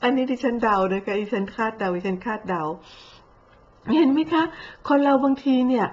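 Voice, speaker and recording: A woman's voice: fairly high pitch, moderate pace, darkish tone, muffled recording. A woman giving mocking, blunt commentary full of coarse slang, with a sarcastic edge. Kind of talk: sarcastic social media commentary.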